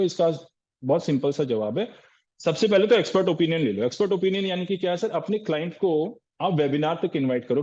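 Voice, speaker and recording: Male sales trainer at a live session: quizzes his listeners and answers himself, calls them "sir", low-fidelity recording. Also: darkish tone, dull audio. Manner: asks rhetorical questions and answers them, often says "sir".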